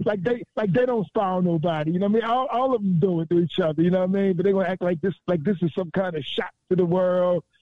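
Speaking very fast with hardly any pauses, a man uses a high pitch and ordinary pitch variation. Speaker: caller. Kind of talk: call-in discussion. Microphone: poor phone connection.

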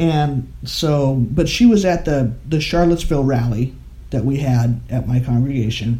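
Somewhat breathy and dark, mellow in tone, the voice moves at a fairly slow pace with ordinary pitch variation and an American accent. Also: man. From Maine, US. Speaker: Unitarian Universalist minister. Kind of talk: interview.

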